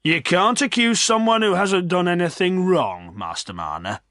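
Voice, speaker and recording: A man's voice: sits high, animated, moderate pace, bright, forceful tone, no echo, studio quality, pitched above the performer's own voice. A man voicing an old, know-it-all villager. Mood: insistent. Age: older.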